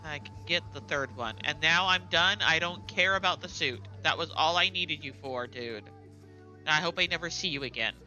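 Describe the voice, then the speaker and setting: A woman's voice: low voice, normal speed, pushed and bright, faint music behind, poor audio. A middle-aged woman with a general American accent, chatting casually and rambling with lots of asides while playing a game. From United States. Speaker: gaming streamer.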